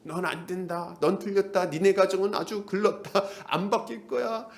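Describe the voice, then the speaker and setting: A man's voice: high voice, moderate pace. A pastor voicing a taunting male devil who mocks and accuses the listener with bullying questions. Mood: sneering. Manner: jeering, mocking, bullying questions.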